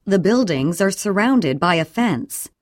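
A woman's voice: medium pitch, no echo, studio quality. Woman reading English drill sentences. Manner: clear, even, deliberate reading. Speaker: English audio reader.

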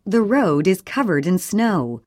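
A woman reading short English sentences slowly and clearly for a listening and repetition drill. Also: medium pitch, dry recording, studio quality. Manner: clear, even, deliberate reading. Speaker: English audio reader.

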